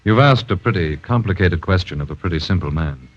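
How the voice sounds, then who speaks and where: A man's voice: low-pitched, expressive, fairly quick. An actor playing an easygoing, plainspoken young man in an old radio drama, recorded as a dull old radio broadcast. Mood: calm. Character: friendly young man, eerily calm stranger. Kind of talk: 1940s radio acting.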